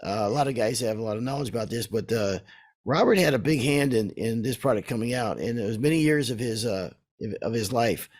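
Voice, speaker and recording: A man co-hosting a casual podcast, hoarse from days of talking, rambling and restarting his sentences. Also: mid-range voice, expressive, fairly quick, darkish tone. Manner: rambling, self-interrupting. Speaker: co-host.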